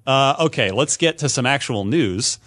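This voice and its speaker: A man hosting a casual video game news discussion, often repeating words as he thinks out loud. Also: medium pitch, animated, normal speed. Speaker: podcast host.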